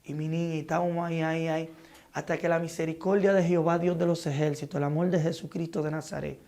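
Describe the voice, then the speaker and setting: A man's voice: on the high side, level tone, fast talker, darkish tone. A man giving a fervent, dramatic testimony as an interview guest, acting out his story with sound effects. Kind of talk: emotional testimony.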